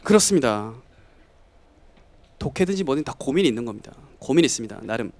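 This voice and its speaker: A man in his thirties from South Korea giving a lively lecture to students, often acting out quoted voices. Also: medium pitch, quick pace. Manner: animated, acts out students and family in quoted voices. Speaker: English lecturer.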